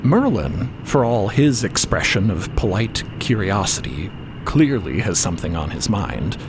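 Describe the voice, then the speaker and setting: Guy narrating a drama, wry n slow, voice swings up and down a lot, rumbly background. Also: very animated, background noise. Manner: wry, conversational asides. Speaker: podcast narrator. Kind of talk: dramatic scripted storytelling narration.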